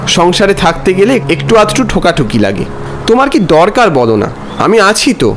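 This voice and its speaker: Cartoon father-narrator played by a man: reflective, anxious, fairly high voice, dramatic delivery over music. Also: normal speed. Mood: soothing. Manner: expressive, dramatic. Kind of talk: dramatised story narration with dialogue. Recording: loud music under the voice.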